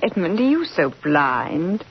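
A woman's voice: lowish voice, big pitch swings, slow pace, breathy edge, exaggerated voice. An actress playing a coaxing young society woman in an old-time radio drama, genteel and emotive. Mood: pleading, tender. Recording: muffled, hissy vintage radio recording.

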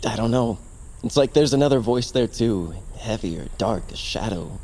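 A man's voice: mid-range voice, expressive, normal speed, warm tone. A man acting a devoted, earnest young tribal hero in an audio drama, speaking expressively. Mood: earnest, brooding. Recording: music behind the voice.

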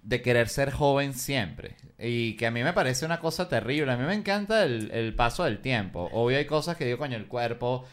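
A man in his thirties talks casually with friends on a podcast. His Venezuelan accent carries an informal, slangy delivery, and he gives his views freely at a medium pitch. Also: normal speed, hardly any pauses. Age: 30s. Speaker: podcast participant. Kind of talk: casual chat among friends.

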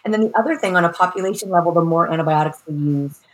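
A woman's voice: lowish voice, rapid-fire, rough recording. An American woman speaking as a medical expert guest, explaining things in an informal, plain-spoken, conversational way.

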